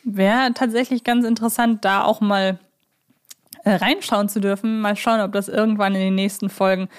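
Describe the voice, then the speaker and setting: A woman co-hosting a fan podcast in a casual discussion, talking conversationally and thinking aloud as she goes. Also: mid-range voice. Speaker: podcast co-host.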